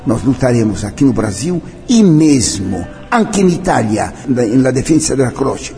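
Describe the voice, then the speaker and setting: A man's voice: medium pitch, big pitch swings, measured pace, mellow, soft background music. An older man from Brazil, head of a Catholic association, speaking in a solemn, declamatory way during an interview. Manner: solemn, declamatory, mixing in French and Italian phrases. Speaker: president of a Catholic cultural association. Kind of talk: interview, personal reminiscence.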